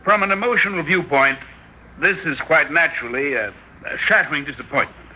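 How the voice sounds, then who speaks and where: An actor playing a confident professor who explains a scientific finding in a vintage radio drama. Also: male voice, a little high, brisk, close to an everyday voice. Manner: assured, explanatory. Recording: dull old radio recording with faint noise.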